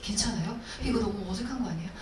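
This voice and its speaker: A woman answering questions on stage at a film screening Q&A, speaking thoughtfully with pauses and fillers. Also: mid-range voice. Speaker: actress at a film Q&A. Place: cinema hall with audience. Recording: echoey cinema hall from far off, noisy.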